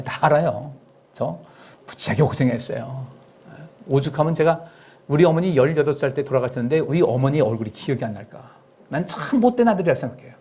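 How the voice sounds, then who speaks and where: Husky middle-aged Korean pastor preaching. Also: male voice. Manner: animated preaching that swings between soft asides and sudden raised, high outbursts; acts out parents' and children's lines in a gentle coaxing tone. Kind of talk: sermon.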